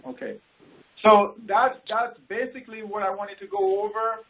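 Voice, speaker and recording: A man leading a group call as a coach, informally explaining things in halting, repeated phrases and often checking in. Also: high-pitched, steady tone. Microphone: conference call line. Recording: muffled, noisy conference call audio with clicks.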